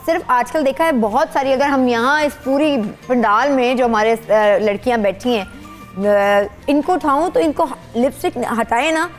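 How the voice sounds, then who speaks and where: A middle-aged woman doctor with a high voice walks viewers through skincare step by step. Her tone is patient and instructive, like someone used to advising patients. Faint music plays under her. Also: measured pace. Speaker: skin doctor guest. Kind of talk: explaining products on a talk show.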